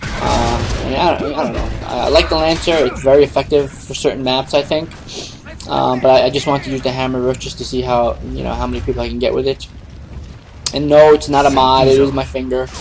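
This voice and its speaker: A man with an American accent at a fairly quick pace, noticeable background noise behind him. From New York. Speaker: gaming YouTuber. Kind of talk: gameplay commentary. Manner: fast; filler-heavy, rambling hesitations.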